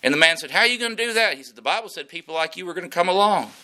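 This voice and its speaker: A man's voice: sits high, very fast. A man preaching a sermon, telling folksy stories as he preaches. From West Texas. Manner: folksy storytelling, animated preaching. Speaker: pastor.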